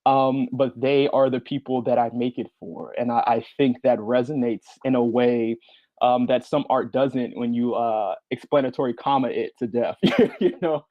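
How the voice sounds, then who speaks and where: A man's voice: mid-range voice, steady tone, normal speed, no echo. Man on a dull, lo-fi connection. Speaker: podcast creator, panel guest. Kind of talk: conversational panel answers. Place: remote online panel.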